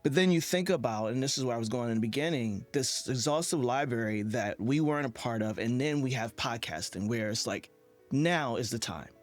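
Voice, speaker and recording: A man's voice: mid-range voice, brisk, faint music behind. A man hosting an interview in a conversational style. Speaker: interview host.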